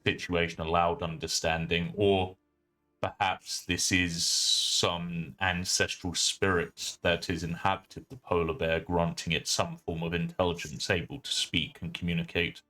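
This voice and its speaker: A man at a tabletop roleplaying game, speaking in character in a measured, thoughtful, slightly formal way. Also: deep voice, level tone, pushed and bright. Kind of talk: in-character improvised discussion.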